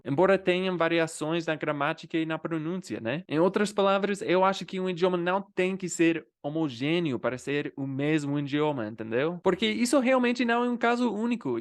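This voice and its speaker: American male language vlogger, slightly high voice, easy chatty delivery with frequent tag questions. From United States. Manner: conversational, often adds "né?" and "entendeu?" as tags. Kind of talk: casual explanatory vlog.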